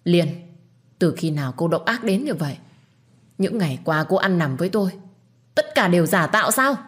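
A woman's voice: lowish voice, animated, normal speed, lightly acted. A woman voicing a young master of the house, a stern husband who scolds firmly. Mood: angry scolding. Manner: scolding, firm.

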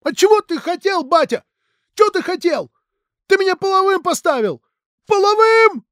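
A man voicing a young son who bursts out in indignant shouting at his father, in an audiobook. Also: very high voice, lively intonation, moderate pace, dry recording, clean studio sound, voice pushed up. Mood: furious.

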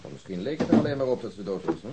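An actor playing a calm, patient police inspector in a radio drama, questioning in a measured, courteous way. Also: male voice, low voice. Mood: patient, sceptical. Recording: faint hiss.

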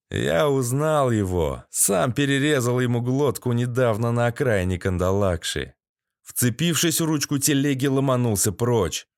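Male audiobook narrator, sardonic gritty read, mid-pitched, dead-dry studio sound. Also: dry recording. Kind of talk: first-person audiobook narration.

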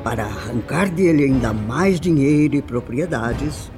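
An actress playing a wronged, bitter woman recounting her past life in a radio soap opera, with emphatic delivery and dramatic pauses. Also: extremely low pitch, animated, music in the background. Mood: indignant, accusing.

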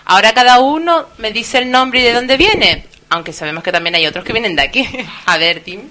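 A woman's voice: fairly high pitch, fairly quick, bright, forceful tone. A woman hosting a local radio show, coaxing children to speak and prompting them with questions. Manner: coaxing, keeps prompting with "a ver". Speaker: radio host interviewing children.

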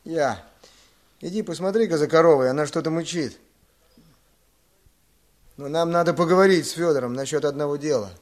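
An actor playing a brash, edgy young villager turned bandit in a Russian radio drama, clipped and commanding. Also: male voice, fairly high pitch, moderate pace, pauses often, lightly acted. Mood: brisk command.

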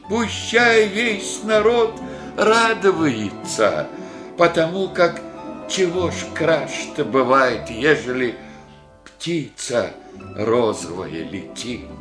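An actor playing a gentle old village grandfather who speaks in slow, dreamy rustic speech in a radio play. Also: fairly high pitch. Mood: storytelling. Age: older. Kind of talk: 1980s-style radio play acting. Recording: radio play with guitar music behind.

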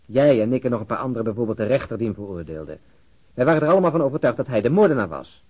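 Husky, cynical police detective. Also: male voice, medium pitch, lively intonation, rapid-fire, a little mellow. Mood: insistent, argumentative. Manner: argumentative, sardonic. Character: cynical, weary, outspoken male police detective. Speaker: actor in a radio crime drama. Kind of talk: Dutch-language radio play acting. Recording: dull, muffled lo-fi audio.

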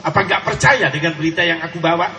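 A man with a Sundanese accent voicing a gentle male angel messenger, in an echoey hall. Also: fairly high pitch, quick pace, gravelly, heavily acted. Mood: earnest. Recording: echoey hall with faint noise.

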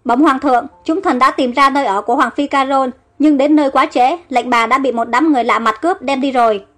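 A woman's voice: high voice, fairly quick, a bit bright. A woman voicing a male soldier who reports respectfully to his king. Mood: deferential. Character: deferential male Egyptian soldier.

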